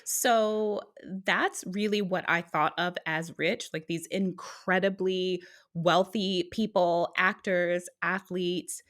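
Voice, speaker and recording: A middle-aged woman, born in Guyana and raised in the US, guesting on a podcast and telling her life story in a casual, animated way. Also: lowish voice, takes it slowly. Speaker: guest author. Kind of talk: conversational podcast interview.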